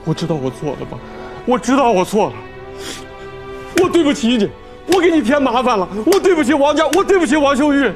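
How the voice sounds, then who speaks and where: A man's voice: fairly high pitch, big pitch swings, moderate pace, pauses often, over music. An actor playing a guilt-ridden young man who pleads desperately with his father. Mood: pleading. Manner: desperate, pleading, tearful outbursts. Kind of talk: TV drama acting.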